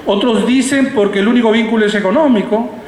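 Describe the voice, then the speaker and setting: Peruvian guy lecturing, kinda high voice, teacherly, asks the room questions, big echoey hall. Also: fast talker, darkish tone. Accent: Peruvian Spanish. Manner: didactic, checks with listeners using tag questions. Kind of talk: public lecture on politics, explanatory with rhetorical questions. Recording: echoey reverberant hall, background noise.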